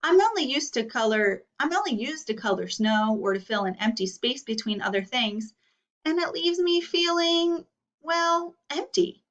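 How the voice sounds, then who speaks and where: A woman's voice: sits high, normal speed, a bit bright. A woman voicing a neglected white crayon from a storybook that feels empty, plaintive and emphatic. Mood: forlorn. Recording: dull, distant microphone.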